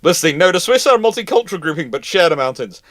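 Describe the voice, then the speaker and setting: A man's voice: on the high side, big pitch swings, fast talker, a bit bright, no echo, studio quality. A man hosting a live question-and-answer stream, talking casually and emphatically, often breaking into laughter. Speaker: host of a live history Q&A.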